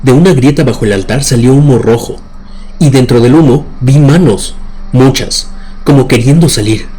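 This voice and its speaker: A man's voice: medium pitch, moderate pace, mellow, breathy edge, low-quality recording. A man narrating scripted horror stories in a dramatic, suspenseful way. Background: music bed.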